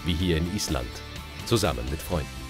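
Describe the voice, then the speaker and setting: Man, documentary voice-over, deep voice, even delivery, loud background music. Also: moderate pace. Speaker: narrator. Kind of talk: scripted documentary narration.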